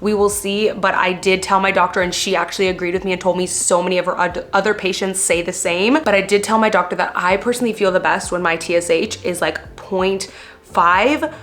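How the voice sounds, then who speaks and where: A young adult woman from Canada, vlogging casually to camera with a raspy, hoarse voice. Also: lowish voice, steady tone, fairly bright tone. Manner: chatty, lots of filler and quick asides.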